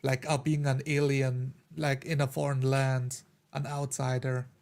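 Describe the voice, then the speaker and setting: Medium-pitched man chatting about roleplay. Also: level tone, measured pace, vocal fry, darkish tone. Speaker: tabletop roleplay player. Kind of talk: casual chat.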